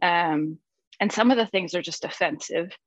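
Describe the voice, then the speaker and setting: A woman speaking as a podcast guest, explaining her translation work in a thoughtful, measured conversational way. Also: on the low side, no echo. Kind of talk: conversational discussion. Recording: dull, dry lo-fi sound.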